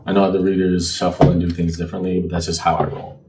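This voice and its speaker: A man's voice: low-pitched, little pitch movement, quick pace. A man speaking casually and conversationally to the viewer as a fortune-telling tarot card reader. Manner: conversational, checks in with "right?". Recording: distant mic, faint background noise.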